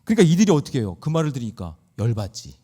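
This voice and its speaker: A man's voice: medium pitch, very animated, very fast, dark tone, husky. A man preaching a sermon in church, acting out scenes and exhorting the congregation. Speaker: pastor. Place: church sanctuary.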